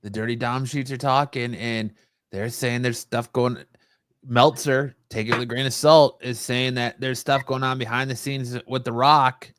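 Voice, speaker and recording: A man's voice: medium pitch, steady tone, moderate pace, fairly bright tone, dry recording, studio quality. A man co-hosting a podcast in a casual sports discussion. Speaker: wrestling podcast co-host.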